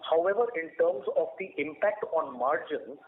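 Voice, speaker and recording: A man with an Indian accent explaining things in a measured way as a company executive answering analysts on an earnings call. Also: fairly high pitch. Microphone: conference call line. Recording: tinny phone line with faint noise.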